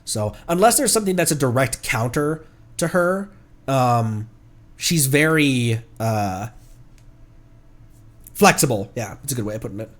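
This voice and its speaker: A man with a stuffed-up nose giving casual, rambling commentary as a livestreamer, often halting and correcting himself. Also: medium pitch, animated, a bit bright. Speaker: livestreamer, VTuber. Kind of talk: casual game stream commentary.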